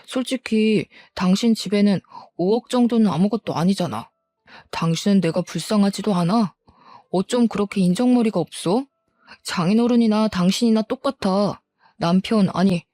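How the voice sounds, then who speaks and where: A woman's voice: medium pitch, warm tone, dry recording, close to an everyday voice. A woman voicing a resentful, self-pitying middle-aged husband in a dramatized story reading. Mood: pleading. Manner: whining, then defiant and bitter.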